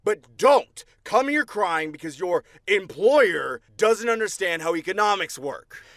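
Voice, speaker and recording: A man voicing a cold-blooded, threatening arms dealer, a top-dog villain in an animated action series. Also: sits high, unhurried, no room sound, studio quality, pitched above the performer's own voice, exaggerated voice. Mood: cold contempt.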